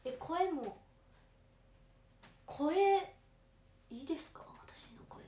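This late-teen idol audition hopeful talks casually to fans on a livestream in a Kansai Japanese accent, reading out viewer comments and replying politely. She has a high-pitched, somewhat dark voice and speaks slowly. There's a roomy feel to the audio and a little background noise.

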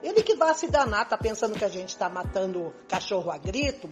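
A woman's voice: mid-range voice, very animated, brisk, faint music behind, close to an everyday voice. An older Brazilian woman playing a sassy, scornful lady in an amateur radio soap.

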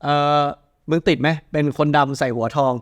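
A man hosting a movie news show in casual chat, blunt, slangy and excitable. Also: on the high side, moderate pace, dry recording, studio quality.

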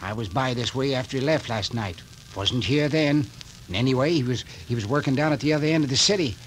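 Male actor as a gruff, dogged small-town mayor, blunt country speech, mid pitch, faint hiss, old radio play. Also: quick pace, lightly acted. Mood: stubborn. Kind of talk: 1940s radio acting.

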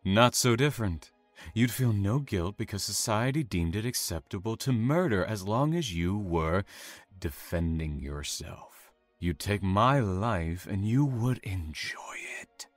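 A man playing a calm, taunting, self-satisfied serial killer in an audio drama, savoring his words with theatrical menace. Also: fairly low pitch, a little slow, dry recording, faint music behind. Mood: calm, relishing.

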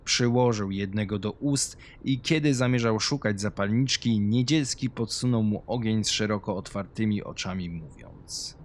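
Low-voiced man narrating horror. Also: lively intonation, moderate pace, few pauses, a little hiss or hum. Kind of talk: scripted creepypasta narration. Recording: low music behind, compressed audio. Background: music.

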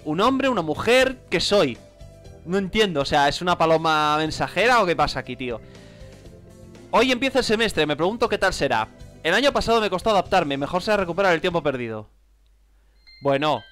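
A man with a Spain Spanish accent reads game text aloud and gives excitable, bewildered gameplay commentary. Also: on the high side. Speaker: gamer.

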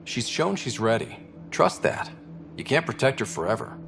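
An actor playing a steady, supportive young human space explorer in a video game, earnest and direct. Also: male voice, mid-range voice, normal speed, vocal fry, noisy background. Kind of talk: dramatic video game acting.

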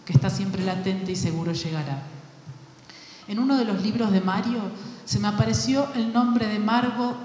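A woman, an actress and playwright on a panel, reading a prepared essay in a measured, literary way with deliberate pauses. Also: medium pitch, a little mellow. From Argentina. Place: large hall at a panel event. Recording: very echoey hall, faint background noise.

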